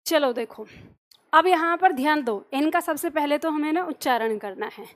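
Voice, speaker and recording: A woman's voice: high-pitched, animated, normal speed. A woman teacher patiently explaining a lesson to her students, often checking that they follow along. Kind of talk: classroom lesson.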